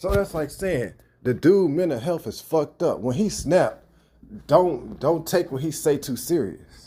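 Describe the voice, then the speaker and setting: A man speaks fairly slowly at a fairly high pitch, with a dark, mellow tone. There is vocal fry, and his pitch varies in an ordinary way. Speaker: vlogger. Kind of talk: casual monologue. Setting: tape recording. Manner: halting.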